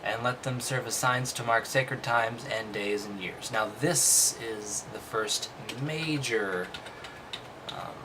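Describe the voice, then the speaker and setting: Guy with a mid-pitched voice reading aloud n adding dry dismissive comments, pretty noisy recording. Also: slow. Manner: skeptical, dry, dismissive asides. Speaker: narrator reading and commenting on a text. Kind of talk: casual commentary between read-aloud passages.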